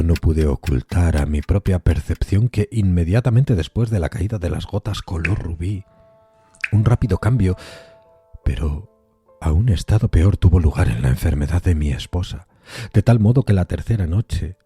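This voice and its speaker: A man with a deep, velvety dark voice narrates a gothic tale over faint music. His delivery is theatrical and literary, shifting between hushed phrases and emphatic ones. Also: husky. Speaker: podcast narrator reading a horror tale.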